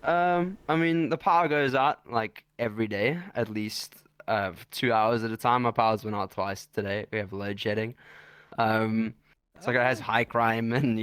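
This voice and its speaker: Man, South African accent, slangy, rambling, video call, medium pitch, dry. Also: a bit bright, clean tone, no echo. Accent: South African English. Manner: laid-back and slangy, rambling with restarts. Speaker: interview guest. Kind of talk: casual video-call interview.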